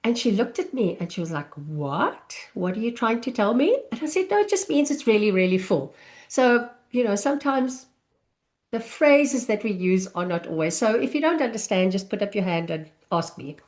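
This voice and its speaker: A South African woman in her fifties, a coach for parents of autistic children, giving a live online masterclass in an unhurried, chatty way over a video call. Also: medium pitch, sing-song. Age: 50s. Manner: warm, unhurried, chatty with small laughs.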